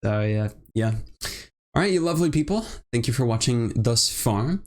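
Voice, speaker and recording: A man's voice: medium pitch, expressive, moderate pace. A young man from Brazil with a mixed British and American accent, hosting an interview show in a chatty, rambling way. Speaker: host. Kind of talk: casual interview chat.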